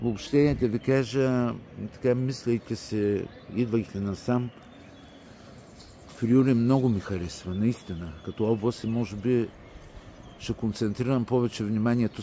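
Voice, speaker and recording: Long, frequent pauses break up a man's fairly slow speech. His pitch is medium with ordinary variation. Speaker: travel vlogger. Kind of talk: walking travel vlog. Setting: outdoors. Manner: casual, hesitant with fillers.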